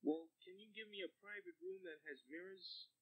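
A man's voice: sits high, a little fast, gravelly, slightly rough, no echo, full character voice, low-quality recording. A man playing a lewd, pushy newlywed caller who drawls with hesitant fillers. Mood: sleazy.

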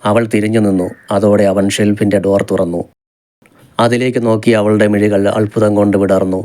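Low, level male audiobook narrator. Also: level tone, fairly quick, darkish tone. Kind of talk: scripted romance novel narration.

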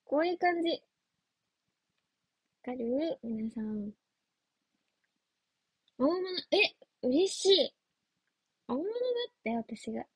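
Breathy high-voiced giggly young woman. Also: expressive, slow, pauses often, dry recording. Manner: giggly, playful and chatty. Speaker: idol trainee streaming live. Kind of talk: casual livestream chat reading comments.

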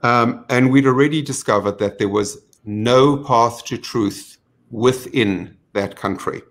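A middle-aged man on a video call from a home study, giving a measured, earnest account with frequent ums. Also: medium pitch. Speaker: panelist. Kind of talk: online panel discussion.

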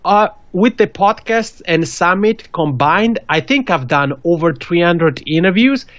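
A man's voice: high voice, expressive, a little slow, fairly bright tone, dry recording. Swiss-accented man giving earnest advice. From Switzerland. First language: not English. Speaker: podcasting guest. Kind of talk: video call interview. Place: small indoor room. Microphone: studio mic with pop filter on a video call. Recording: dull, dry video call audio.

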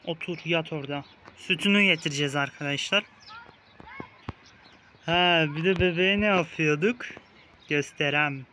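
A man's voice: a little high, normal speed, long pauses, pushed and bright, slight background noise. A young man hosting a casual let's-play, talking the viewers through the game and playfully teasing the game baby with mock insults. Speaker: gaming video host. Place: outdoors in a park.

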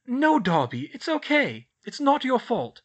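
A man voicing a clever young witch girl in a storybook, brisk, practical and reassuring. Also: high voice, expressive, a bit bright, lo-fi sound, voice pushed up. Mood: urgent reassurance.

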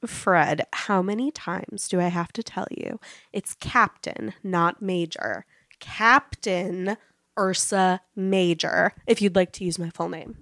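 A woman's voice: fairly low pitch, lively intonation, slow pace, a bit bright, no echo, exaggerated voice. A woman playing a weary but determined spaceship captain, dry and exasperated, in a comedic audio drama.

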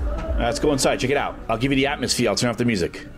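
A middle-aged man with a mid-range voice talks very fast over music while vlogging a walk from the street into a small indoor comic shop. His casual narration is chatty and rambling, full of "uh" fillers, and he gets excited when he finds books.

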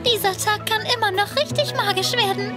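A woman's voice: very high-pitched, fairly quick. A woman voicing a cheerful, determined little girl in a German cartoon dub, eager and commanding. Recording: music under the voice.

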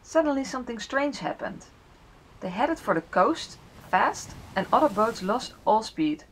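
A woman whose first language is Dutch, narrating a sailing vlog as voice-over in a steady, matter-of-fact way. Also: on the high side, a little slow, a little hiss or hum, rough recording. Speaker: vlogger narrating a sailing trip.

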